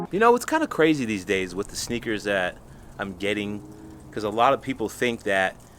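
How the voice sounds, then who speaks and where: A man with an ordinary speaking voice talks at a fairly quick pace, his fairly low pitch showing ordinary pitch variation. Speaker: sneaker YouTuber. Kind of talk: casual vlog talk. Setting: outdoors.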